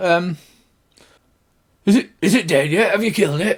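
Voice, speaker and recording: Here a man puts on a gravelly character voice, pitched high. His pace is moderate. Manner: gruff, wary.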